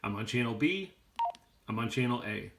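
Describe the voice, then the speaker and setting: A man's voice: medium pitch, expressive, moderate pace, vocal fry, very noisy. A man explaining things step by step in a plain-spoken, casual how-to style. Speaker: how-to video host.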